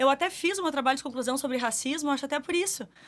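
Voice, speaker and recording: Very fast speech from a woman, high in pitch, with ordinary pitch variation. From southern Brazil, Porto Alegre. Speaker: TV reporter and journalist. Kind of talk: interview.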